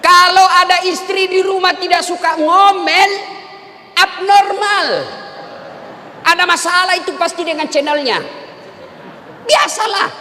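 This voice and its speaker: A male preacher with a very high, bright voice gives a joking yet emphatic sermon. He often pushes up into shouts. A long reverb trails every phrase. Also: fairly even intonation, unhurried, pauses often, a little hiss or hum. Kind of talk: humorous sermon.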